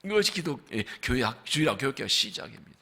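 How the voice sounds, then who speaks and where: A man preaching a dawn revival sermon as senior pastor, swinging between fervent outbursts and hushed asides and acting out the dialogue of biblical figures. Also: medium pitch, big pitch swings, fast, vocal fry, slightly rough.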